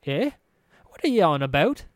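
A scornful young street girl played by a man speaks in a thick brogue, pitched well up. She is snappish and slangy in this fantasy audio story, and the sound is close and dry. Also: big pitch swings, normal speed, dry recording. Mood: indignant.

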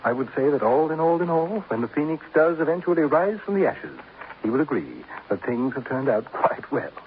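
An actor playing a smug, florid older killer, mocking and very pleased with himself, in 1950s radio acting. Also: male voice, on the high side, sing-song, a little fast. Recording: tinny, lightly hissy old radio broadcast.

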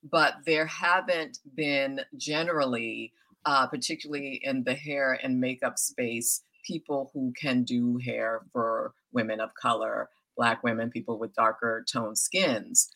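A woman's voice: rumbling low, steady tone, measured pace, creaky, fairly bright tone, rough recording. A woman, an actress and founder, answering interview questions in a chatty way with many hesitations. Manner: chatty, many ums, laughs easily.

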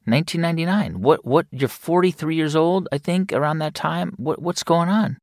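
A man's voice: fairly high pitch, normal speed, darkish tone, dry recording, studio quality. A man hosting an interview, recapping the guest's story and asking curious follow-up questions. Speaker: interview host. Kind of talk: conversational interview.

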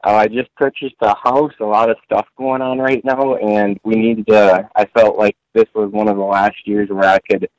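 A laid-back man answering interview questions over a phone line, pausing often with fillers as he talks about racing. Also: on the low side, little pitch movement, no echo. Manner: laid-back, many "uh" fillers and trailing sentences. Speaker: off-road buggy racer guest.

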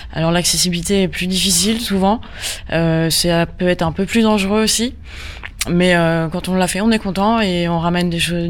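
A woman from Normandy answers questions as a guest on a radio interview. She talks in a halting way, full of fillers and restarts, as she feels her way through each thought. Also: on the low side. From Normandy, France. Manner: hesitant, many fillers and restarts. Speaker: guest photographer.

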